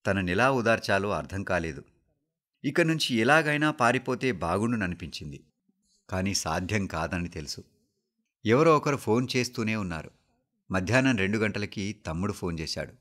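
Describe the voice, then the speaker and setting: A man with a Telangana accent reading a story aloud for the radio in a steady, measured way. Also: lowish voice. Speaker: story reader.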